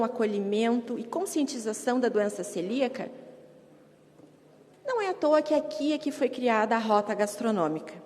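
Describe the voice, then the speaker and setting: A woman addresses a council chamber, her voice ringing with long hall reverb. She speaks in a fairly high register, delivering a formal advocacy speech in short, emphatic phrases with rhetorical repetition. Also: a little mellow.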